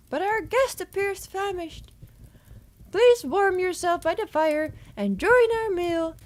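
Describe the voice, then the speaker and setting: A woman voicing a courteous, gentle lady healer in a fantasy game, speaking in a polite, formal, measured way. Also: very high-pitched, animated, no room sound, full character voice.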